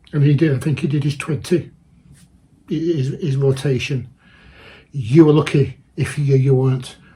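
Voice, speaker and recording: This man has a dark, mellow, somewhat breathy voice at medium pitch. He speaks at a fairly slow pace with fairly even intonation. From northern England, Salford near Manchester. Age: 70s. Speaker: woodworking YouTuber. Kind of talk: casual vlog monologue. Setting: workshop. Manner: halting, with restarts and fillers.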